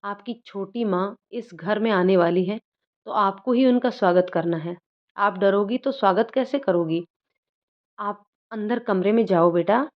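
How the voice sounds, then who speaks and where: A woman reading a furious shouting husband. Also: mid-range voice, normal speed, natural voice. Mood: gentle. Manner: shouting, harsh and commanding. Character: angry grown man, husband turned furious. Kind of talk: storybook reading. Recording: dull lo-fi recording.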